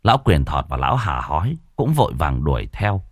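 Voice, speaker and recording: A man narrating a ghost story in a dramatic, animated way. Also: a bass voice, a little fast, no room sound, studio quality.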